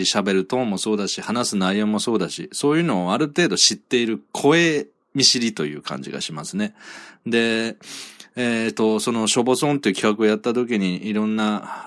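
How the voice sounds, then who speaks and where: Self-deprecating male podcast host, lively pitch. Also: no room sound, studio quality. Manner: rambling, self-deprecating, chuckles often. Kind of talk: solo podcast reading listener comments.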